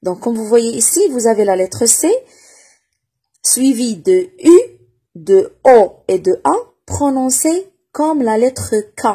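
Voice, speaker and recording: Woman going super slow thru syllables, says each one twice, soft husky voice. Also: on the high side, expressive. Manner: patient, deliberate, repeats each syllable and word twice. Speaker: reading teacher. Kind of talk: slow phonics lesson, repeating each sound twice.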